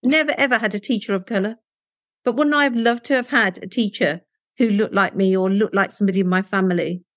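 A woman's voice: medium pitch, quick pace, dry recording, studio quality. A woman whose first language is Punjabi, a guest talking earnestly in an interview and often closing points with tag questions. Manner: persuasive, asks rhetorical tag questions.

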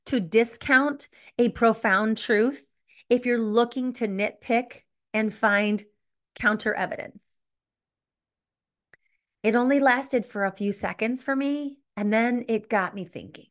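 A middle-aged woman hosting a solo podcast, telling a personal story candidly and reflectively, often stopping to correct herself. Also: fairly high pitch. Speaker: podcast host.

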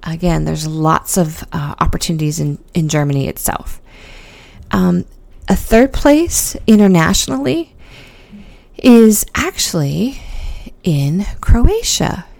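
A woman's voice: lowish voice, big pitch swings, slow, creaky, darkish tone, dry recording. A woman hosting a casual solo podcast, talking in a chatty way with lots of ums and restarts. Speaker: podcast host.

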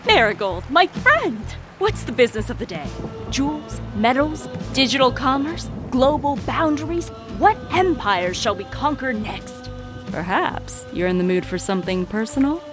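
An actress playing a proud, flamboyant jewel merchant in an audio drama, effusive, theatrical and wheedling. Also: female voice, high-pitched, animated, normal speed, over music. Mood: breezy, grand. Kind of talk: scripted audio drama acting.

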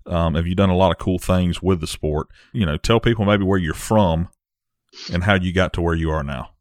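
Deep-voiced easygoing male host. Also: normal speed, no room sound, clean studio sound. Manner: easygoing, filler-heavy questions. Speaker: podcast host. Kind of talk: casual interview.

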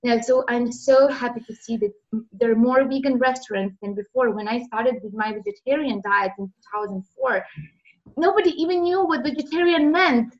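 An earnest woman from Serbia answers interview questions in a slightly high voice, often pausing with "uh" and "um." Her audio comes over a remote call and sounds muffled and lo-fi. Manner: earnest, frequent "uh" and "um" pauses. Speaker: interview guest.

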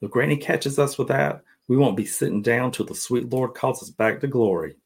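A man's voice: medium pitch, moderate pace, creaky, lightly acted. A man voicing an anxious, scolding young girl who frets about getting caught. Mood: fretful. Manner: fretful, scolding, pleading.

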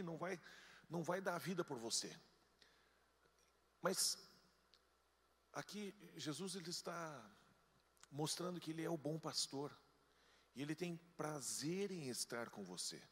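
Animated male pastor in a reverberant hall. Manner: animated storytelling, jumps into high-pitched voices for quoted people. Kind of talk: sermon. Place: church hall.

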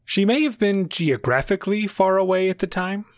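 A man hosting a podcast, narrating a scripted story in a measured, clear way. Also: high-pitched, animated, dry recording. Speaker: podcast host.

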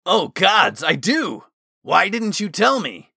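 A man voicing an excitable, easily offended, brash male guardsman in an audiobook, with a dramatic way of talking. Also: high voice, takes it slowly, vocal fry, slightly rough, no room sound, clean studio sound, voice pushed up, heavily acted. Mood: indignant. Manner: exclamatory, dramatic. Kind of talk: audiobook character dialogue.

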